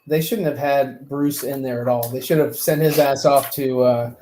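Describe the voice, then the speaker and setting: A man's voice: medium pitch, steady tone, normal speed, over a noisy crowd. A man chatting casually in a loose, slangy way, in a roomy recording with echo. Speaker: panelist on an entertainment chat show. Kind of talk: casual chat. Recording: roomy, echoing sound.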